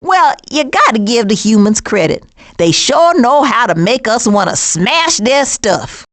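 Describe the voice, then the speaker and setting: A woman voicing a sassy, streetwise, sarcastic female skunk with slangy wisecracks in an animated video game. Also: on the high side, measured pace.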